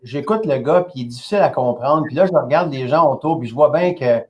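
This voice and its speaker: A man's voice: mid-range voice, fast talker, highs cut off. A man in his fifties with a Québécois French accent, telling anecdotes as a guest in a casual interview. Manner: lively storyteller, conversational. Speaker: company president, interview guest.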